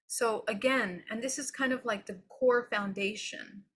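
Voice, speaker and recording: Woman, spiritual teacher on a live stream, husky airy tone, unscripted and earnest. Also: a little high, fairly even intonation, measured pace, a bit bright. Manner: earnest, reflective, checks in with "okay?"; loose and unscripted, with restarts.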